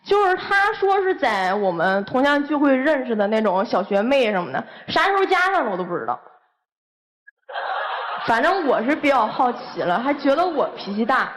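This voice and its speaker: A woman's voice: fairly high pitch, big pitch swings, moderate pace. A young woman, a guest airing heated, accusing complaints about her boyfriend. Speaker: guest on dating show.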